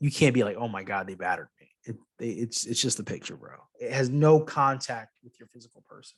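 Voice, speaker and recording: A man talks at a fairly quick pace, his pitch in the medium range with ordinary variation. His loudness swings widely. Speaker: law student. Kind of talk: tutorial. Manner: fast; halting.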